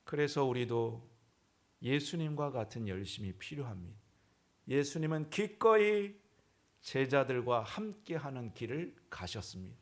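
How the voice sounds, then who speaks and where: A man's voice: medium pitch, expressive, a little slow. A male pastor preaching a sermon in a church, posing rhetorical questions to the congregation.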